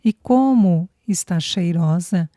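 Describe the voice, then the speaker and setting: A woman narrator voicing a shy, self-conscious young woman who talks softly and hesitantly. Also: on the low side, lively intonation, slow, dry recording, clean studio sound. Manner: soft, hesitant.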